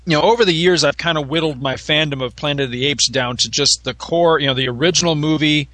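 Bright, chatty middle-aged man. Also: fairly high pitch, quick pace, no echo. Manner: chatty, nostalgic, rambling with fillers. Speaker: podcast co-host. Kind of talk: casual chat.

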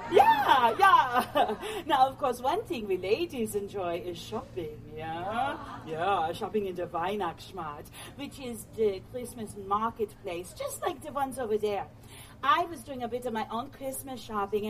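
Bubbly German Christmas market lady, German accent, fairly high voice, distant mic. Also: a little hiss or hum. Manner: bubbly, quizzing the crowd with questions. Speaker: costumed holiday show performer. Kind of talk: live audience interaction.

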